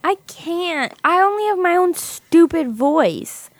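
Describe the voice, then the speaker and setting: A woman with a high, lively voice, co-hosting a podcast. She talks slowly and casually, and she often laughs at herself. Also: no room sound. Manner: giggly, self-deprecating. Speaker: podcast co-host. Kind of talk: casual chat.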